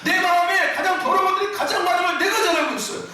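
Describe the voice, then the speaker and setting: A man's voice: extremely high pitch, very fast. A male pastor preaching a Sunday sermon with passion, often raising his voice and laughing as he tells his story. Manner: impassioned, often shouting and laughing mid-phrase. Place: church sanctuary. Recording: echoey church hall from far off.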